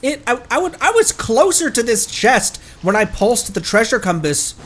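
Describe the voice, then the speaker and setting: A man doing casual live gaming commentary as a streamer, talking in an excitable, rambling way. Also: very high-pitched, moderate pace. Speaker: game streamer.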